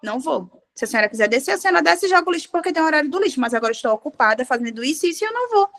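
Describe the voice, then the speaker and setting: A woman and mother sharing a personal testimony in a casual women's devotional chat, telling her stories with lively acted-out dialogue. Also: high voice, racing. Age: adult with a child. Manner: animated storyteller, acting out dialogue. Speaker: devotional group participant.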